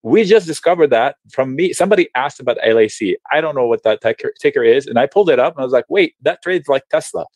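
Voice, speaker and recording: A man from Lebanon, an options trading educator, explaining charts on a video call in a chatty, animated way with slang and frequent restarts. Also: medium pitch, quick pace, hardly any pauses, no room sound. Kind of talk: casual webinar explanation while sharing charts.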